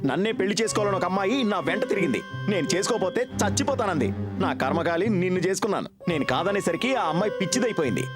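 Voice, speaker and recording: A man's voice: high voice, lively intonation, quick pace, loud music behind the voice. A man playing a boastful husband who teases and bickers with his wife in a dubbed comedy film. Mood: teasing.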